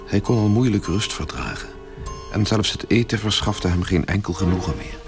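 Over clear background music, a man plays a calm radio play storyteller. He narrates from a script in a deep voice. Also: moderate pace, natural voice. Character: calm storyteller of a strange tale.

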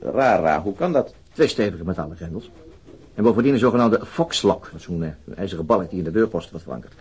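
An actor playing a sober, methodical police inspector in a radio drama, dry and matter-of-fact. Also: male voice, low voice, animated, fast talker, a little mellow, breathy edge, full character voice. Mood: explaining.

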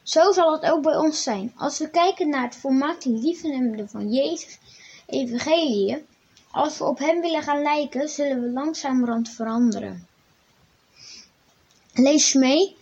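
Woman reading a bible story to kids, high voice, dull muffled lo-fi recording. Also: unhurried, a little mellow. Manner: plain read-aloud narration, addressing children directly. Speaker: storyteller and children's Bible teacher.

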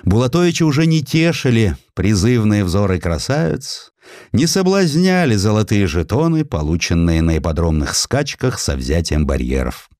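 A man narrating historical prose as a dramatic audiobook, with theatrical, expressive storytelling. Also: on the low side, normal speed, no echo, studio quality.

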